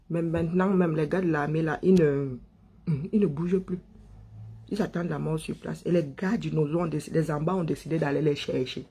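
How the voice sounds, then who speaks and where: Man, middle-aged, raspy fry, high pitch, emphatic commentator. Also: warm tone. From Cameroon. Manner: emphatic, rhetorical questions, repeats phrases for effect. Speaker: online political commentator. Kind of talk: impassioned political monologue.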